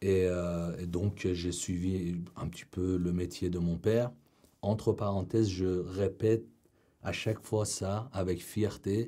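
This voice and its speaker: Speaking very slowly against a quiet background, a man with a Persian accent has a very deep, low pitch, a dark, mellow tone and fairly even intonation. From Iran. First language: Persian (speaking French). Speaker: fitness coach. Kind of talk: interview. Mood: reflective, earnest. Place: studio.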